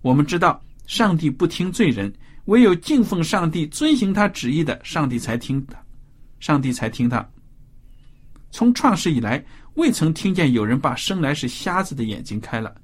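A man with a husky voice reads the words of a bold, defiant healed blind man from a scripture passage. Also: a little high, big pitch swings, moderate pace. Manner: read aloud with rising emphasis.

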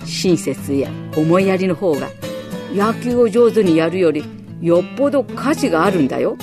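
A woman voicing a kind, patient father gently advising his son in a children's story. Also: normal speed, over music, lightly acted. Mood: gentle. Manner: lowered calm fatherly tone.

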